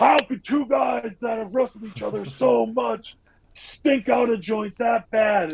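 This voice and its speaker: A put-on, gruff character voice from a man, high in pitch and fairly slow in pace. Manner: animated.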